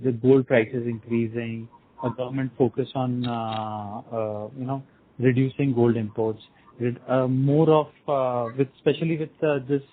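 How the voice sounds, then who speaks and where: A man asking informal questions as an investor on an earnings call, haltingly piecing them together over the phone. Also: medium pitch, no room sound. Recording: muffled narrowband phone line.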